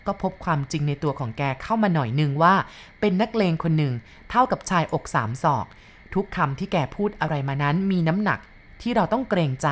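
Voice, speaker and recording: A woman reading a first-person ghost story aloud in a plain, unhurried way. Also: fairly low pitch.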